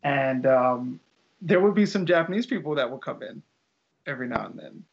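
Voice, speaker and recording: Rambling young man, gravelly lo-fi voice. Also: medium pitch, normal speed, a little hiss or hum. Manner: relaxed, rambling, many fillers and restarts. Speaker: interview guest, English teacher in Japan. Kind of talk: casual conversational interview. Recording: dull lo-fi audio.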